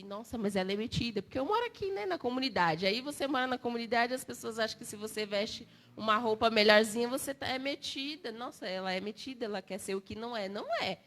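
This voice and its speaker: A woman's voice: mid-range voice, fairly bright tone. A woman with a Brazilian Portuguese accent preaching a sermon, tearful and emotional, repeating phrases and often turning to her congregation. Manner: emotional, repetitive, addresses congregation as brothers.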